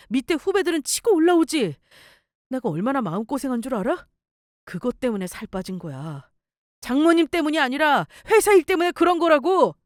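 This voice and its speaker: A frustrated young husband argues back at his mother, defensive and exasperated, as a woman reading a story radio drama puts him on. The voice is lively in its pitch. The sound is dry and close to the mic. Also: no room sound.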